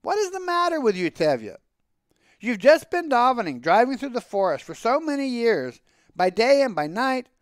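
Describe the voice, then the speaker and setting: Storybook pious Jewish milkman, played by a man, high-pitched, wry, pleading, declamatory, very dry close sound. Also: lively intonation, moderate pace, clean tone, no echo. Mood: self-scolding. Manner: declamatory, rhetorical.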